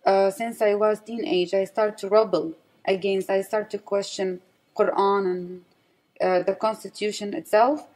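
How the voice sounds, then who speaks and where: A woman with an Arabic accent and a medium-pitched voice speaks as a guest in an interview. Her English is non-native and halting, and she often searches for words while giving personal testimony. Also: steady tone, darkish tone. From West Bank, raised in Saudi Arabia.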